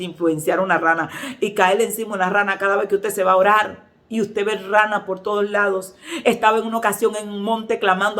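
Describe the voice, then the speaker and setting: A woman's voice: mid-range voice, a bit bright. A middle-aged woman preacher with a Dominican Spanish accent delivers a sermon. She tells vivid stories and slips into the voices of the people in them. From Dominican Republic. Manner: storytelling preacher, acts out voices in anecdotes. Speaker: pastor.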